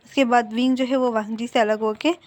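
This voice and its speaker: A woman's voice: on the high side, fairly even intonation, a little fast. A woman casually retelling a fan-fiction story, chatty and often repeating connecting words.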